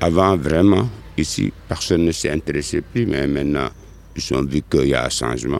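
A man's very deep, low voice with lively intonation at a moderate pace. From Senegal. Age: 50s. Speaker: community garden keeper. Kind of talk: casual interview. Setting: outdoors.

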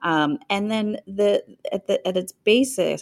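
The recording of this woman has a dry, close sound with no echo. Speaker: crisis communications panelist. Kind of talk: panel discussion.

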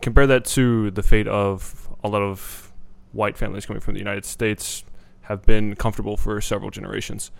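A man speaks fairly quickly at a fairly low pitch, with monotone, flat intonation. His loudness swings widely. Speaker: podcast host and college student. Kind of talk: casual interview conversation. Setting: indoor room.

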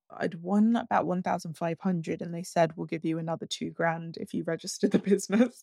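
Recorded dry and close with no echo, a woman with a London accent speaks at a moderate pace and fairly low pitch with fairly even intonation. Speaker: entrepreneur, company CEO. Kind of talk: casual interview.

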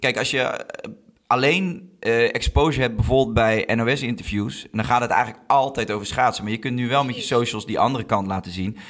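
Here a man talks at a moderate pace, with medium pitch and ordinary pitch variation. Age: 30s. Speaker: podcast host. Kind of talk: casual interview chat. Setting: remote recording. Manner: hesitant, many filler sounds.

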